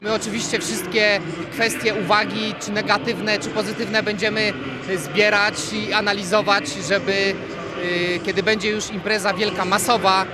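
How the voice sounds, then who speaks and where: A man's voice: high-pitched, flat delivery, normal speed. A man in his forties giving an outdoor interview in a stadium, explaining things in an official tone with some hesitations. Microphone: handheld reporter microphone. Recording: loud stadium background noise.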